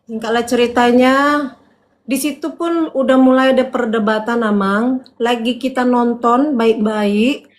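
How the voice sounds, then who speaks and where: A woman tells her own story on a podcast, in a high, lively voice. She acts out the dialogue of the people she quotes, in an animated, casual manner. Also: measured pace. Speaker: guest giving a testimony. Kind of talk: casual spoken testimony.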